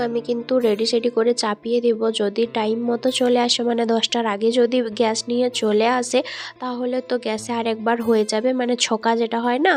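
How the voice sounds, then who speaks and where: A young woman, talking softly and hushed in a casual vlog voice-over recorded indoors at home. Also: on the high side. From West Bengal, India. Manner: soft, hushed talk. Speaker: vlogger.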